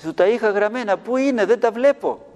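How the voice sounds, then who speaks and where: A shrill, mocking demon gloats from inside a possessed woman, its voice pushed high and strained, as a preacher puts it on. The words ring out in a hall with a long reverb. It sounds like an old storyteller's ghost tale. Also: darkish tone, natural voice. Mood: gloating. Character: demon speaking through a possessed woman, gloating then dismayed.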